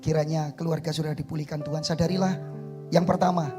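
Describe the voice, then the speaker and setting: A middle-aged male pastor with an East Javanese accent preaching an animated sermon in a church, swinging between soft asides and shouted peaks and calling for amens. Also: a little high, quick pace, music in the background. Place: church sanctuary.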